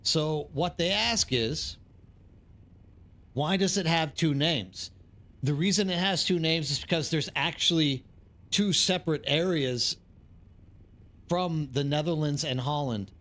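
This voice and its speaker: Speaking a little high and a bit bright, the man takes his time, leaving long pauses. He's a live streamer from East Texas with an American accent, chatting loosely and ramblingly with viewers during a game.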